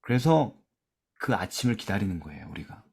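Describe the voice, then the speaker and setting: A man leading a church Bible study discussion, asking questions and reading verses aloud, trailing off softly at the ends of phrases. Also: big pitch swings, a little fast, vocal fry, breathy edge. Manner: asks questions and drops to a soft low voice at phrase ends; reads scripture aloud with emphasis.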